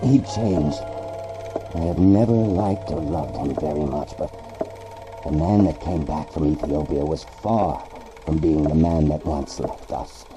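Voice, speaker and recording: An actor playing an older, guilt-ridden father in a horror game, with a creaky voice and halting, anguished, slow delivery. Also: rumbling low, background noise. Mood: grim, bitter. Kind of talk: dramatic horror game acting. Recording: music under the voice.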